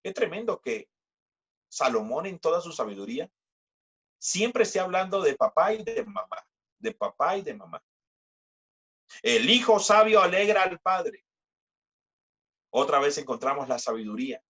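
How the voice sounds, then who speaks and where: A man, preaching a sermon as pastor and reading scripture slowly with emphatic repetition. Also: very animated, a bit bright, breathy edge. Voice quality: deep voice. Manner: slow, emphatic scripture reading with repeated phrases.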